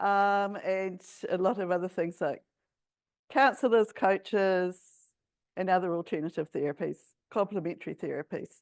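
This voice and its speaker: With a New Zealand accent, a woman talks at a moderate pace and medium pitch, with ordinary pitch variation and long, frequent pauses. The background is quiet, and the sound is dry and close with no echo. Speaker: therapy trainer and coach. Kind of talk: conference talk. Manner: casual, with many fillers.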